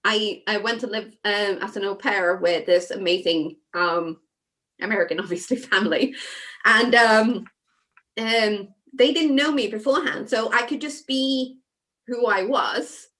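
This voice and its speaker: A woman from Sweden talking casually as a craft show guest over a video call, chatty with many fillers and soft asides. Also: mid-range voice, measured pace. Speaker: guest designer. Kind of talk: casual chat while crafting.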